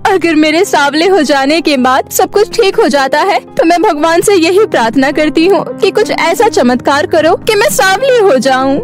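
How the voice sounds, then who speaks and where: A high, girlish cartoon stepdaughter, played by a woman, sad and obedient. She speaks meekly and pleadingly, as if always wronged. Light music plays behind her. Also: lively intonation, moderate pace, few pauses. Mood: tearful. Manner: meek, pleading, tearful when hurt. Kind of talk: cartoon moral story dialogue. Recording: faint music bed behind voice.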